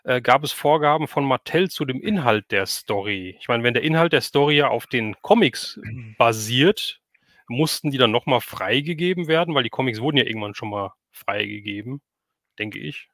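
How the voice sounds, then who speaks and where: A man's voice: mid-range voice, expressive, normal speed, fairly bright tone, no room sound, clean studio sound. A man hosting a casual livestream interview, informal and thinking aloud as he puts his questions.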